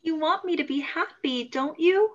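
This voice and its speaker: A woman's voice: high voice, moderate pace, natural voice. A woman playing a bored young female con artist in an audio drama, coy and teasing, feigning innocence, recorded on dull lo-fi audio. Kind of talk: amateur audio drama reading.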